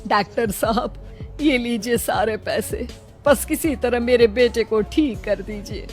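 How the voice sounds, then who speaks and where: A woman's voice: a little high, faint music behind, close to an everyday voice. A woman voicing a fretful old village mother-in-law. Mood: worried. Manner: slow, pleading, fretful. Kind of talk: cartoon voice acting.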